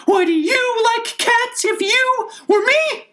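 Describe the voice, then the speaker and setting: A woman voicing a small, frightened, indignant storybook mouse in a shrill, trembling voice with drawn-out, passionate delivery. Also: fairly bright tone, exaggerated voice. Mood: shrill indignation.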